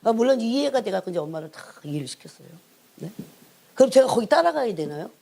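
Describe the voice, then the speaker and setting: A middle-aged woman, an evangelist, preaching an emphatic sermon that keeps prodding her listeners and drops to hushed asides. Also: on the high side, very animated, fast, vocal fry. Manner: emphatic, prods the congregation with repeated "예?"; swings between raised emphasis and hushed asides. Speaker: church evangelist, prayer team leader.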